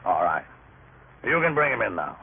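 An actor playing a suspicious, money-minded innkeeper in old radio drama style, sly and grudging. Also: male voice, fairly low pitch, big pitch swings, normal speed, gravelly. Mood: grasping, sly. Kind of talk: old-time religious radio drama acting. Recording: tinny, noisy vintage radio recording.

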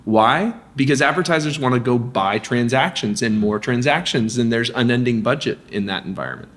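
A man, a company founder, speaking as a guest in a casual business interview, energetic with lots of restarts and fillers. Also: medium pitch, brisk.

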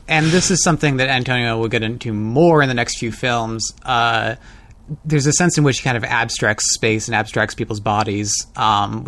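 A man on a podcast panel, analytical and measured, discussing how a film is shot. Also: medium pitch, a bit bright.

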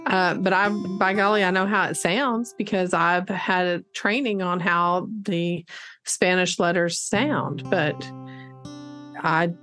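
A woman's voice: on the low side, fairly even intonation, slow, fairly bright tone, smooth, faint music behind. A woman co-hosting a podcast in casual discussion, speaking hesitantly with many filler sounds. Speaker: podcast co-host.

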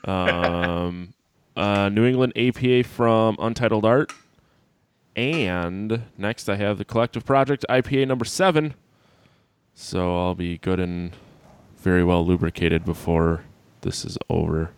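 A man's voice: low-pitched, measured pace, clear, resonant tone, no echo. An American man hosting a casual podcast chat in a blunt, sweary way. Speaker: podcast host.

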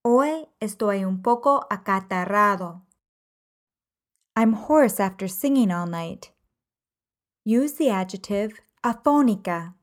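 A woman teaching a language podcast lesson at a slow, unhurried pace. Her voice sits at an ordinary middle pitch, and she reads each example sentence in clear, measured phrases. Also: animated.

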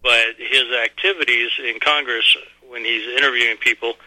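A man in his forties calls in to a radio talk show. His tone is very bright and forceful, and he speaks earnestly with some halting. The sound is dry and close. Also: medium pitch, fairly even intonation, no room sound, poor audio. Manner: earnest, rambling, a little halting. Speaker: caller. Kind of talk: phone-in call to a radio show.

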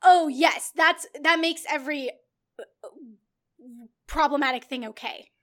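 A woman with a high, bright voice talks through a film in loose, opinionated podcast chat. She gets animated, trails off mid-thought and restarts often. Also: unhurried. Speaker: podcast co-host. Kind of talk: casual film discussion.

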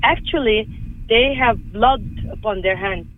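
Woman over a phone line. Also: a little high. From Lebanon. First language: Armenian. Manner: earnest, halting, with many restarts. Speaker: guest. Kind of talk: conversational interview.

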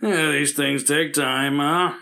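A gravelly, jovial office pal. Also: male voice, fairly high pitch, steady tone, bright, forceful tone, heavily acted. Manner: jovial, slow-talking, chuckling. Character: chatty middle-aged male office colleague. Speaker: visiting co-worker. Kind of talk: 1950s radio acting.

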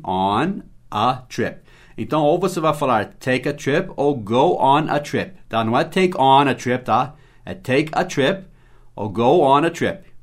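A man from Brazil teaching English in a podcast lesson, explaining patiently, spelling words letter by letter and often checking that the listener follows. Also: medium pitch. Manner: asks frequent rhetorical checks.

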